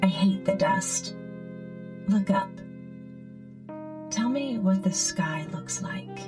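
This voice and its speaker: Audio drama AI companion, female: unhurried, soft, wry and wistful, guitar underscore. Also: mid-range voice, animated.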